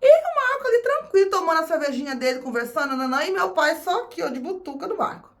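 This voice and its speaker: Brazilian-accented woman vlogger, high pitch, casual and talkative to camera. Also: very animated, fast, fairly bright tone. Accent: Brazilian Portuguese. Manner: chatty, repeats phrases, addresses viewers as "gente".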